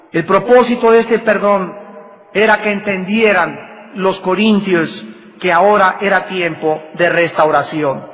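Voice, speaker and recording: A man preaching a sermon, with emphatic swells and drops in his delivery. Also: a bit bright. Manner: emphatic preaching with dramatic swells in pitch and volume. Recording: reverberant hall, dull lo-fi sound.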